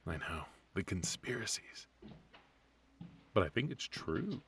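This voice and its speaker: A man's voice: sits low, sing-song, slow, fairly bright tone, slight background noise, heavily acted. A man playing a retired supervillain husband in a comedic ASMR roleplay, teasing and doting with a theatrical, conversational delivery. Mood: smug, chatty.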